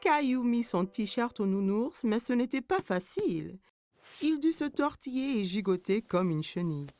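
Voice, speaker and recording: A woman's voice: fairly high pitch, animated, normal speed, a little mellow. A woman giving scripted story narration for a children's cartoon. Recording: music behind the narration. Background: music.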